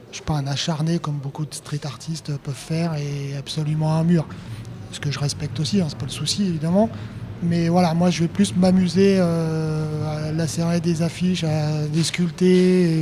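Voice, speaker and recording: A man guest on a radio show, talking casually and jokingly with many hesitations. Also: fairly high pitch. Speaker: street artist guest. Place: street art festival.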